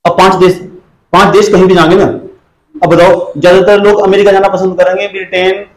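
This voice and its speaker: The exam-prep teacher, a man with a high voice, speaks fairly quickly with little pitch movement in an echoey room. Drilling every point over and over, he quizzes his students and scolds any who fall behind.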